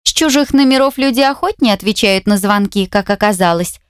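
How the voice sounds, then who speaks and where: A woman's voice: mid-range voice, brisk, clear, resonant tone, no echo, studio quality, lightly acted. A woman reading an audiobook, voicing a coquettish, spiteful young woman who taunts over the phone. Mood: mocking, venomous. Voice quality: mocking, sugary and spiteful. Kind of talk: audiobook character voice.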